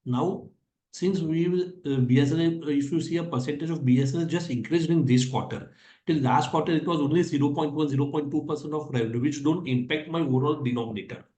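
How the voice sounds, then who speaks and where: A man's voice: a little high, fast, warm tone. A man with an Indian accent, a company executive answering analyst questions on an earnings call in an explanatory way, repeating his points. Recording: echoey conference call audio.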